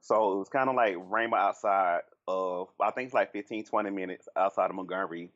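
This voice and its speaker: A man with a Southern US accent, a podcast guest telling frank, crude stories in animated casual chat. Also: deep voice, fairly quick, dull audio. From Southern United States.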